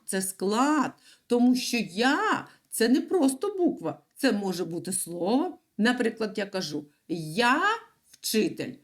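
A woman teaching young children an online reading and writing lesson, explaining patiently step by step. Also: on the high side. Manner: slow, patient, lively sing-song explaining. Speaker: primary school teacher.

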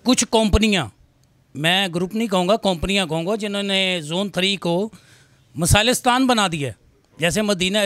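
A man's voice: high-pitched, fairly bright tone, no room sound. A male trader speaks emphatically and critically in an interview held in a crowded indoor office. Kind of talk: interview answer. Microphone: handheld mic.

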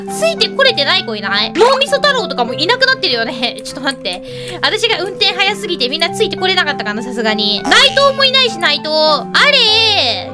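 A woman's voice sits extremely high and bounces all over the place, bubbly and exclaiming as she chats through a let's-play with a lilt. Loud game music plays right behind her. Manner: bubbly, exclaiming, chatting to her pets and viewers. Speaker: gaming YouTuber. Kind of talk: excited Minecraft let's-play commentary.

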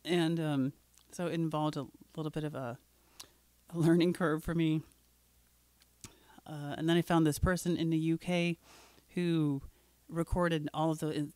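A woman's voice: low-pitched, fairly even intonation, normal speed, darkish tone, no echo. A middle-aged woman chatting between songs on a home live stream, rambling with many fillers and a little scratchy from a cold, into a mic on a stand in a living room. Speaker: singer-songwriter. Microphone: studio mic on a stand.

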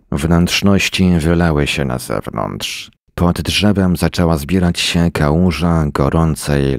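Man reading a story, super deep gravelly voice, lively up and down delivery. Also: no room sound, clean studio sound. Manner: measured, dramatic storytelling. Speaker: reader. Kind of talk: scripted narration of a short story.

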